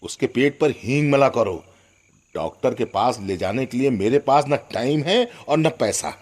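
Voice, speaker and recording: A man's voice: medium pitch, lively intonation, unhurried, darkish tone. An actor playing an irritable, harsh husband and father in a radio drama, scolding and complaining. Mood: bitter complaining. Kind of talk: Hindi radio drama acting.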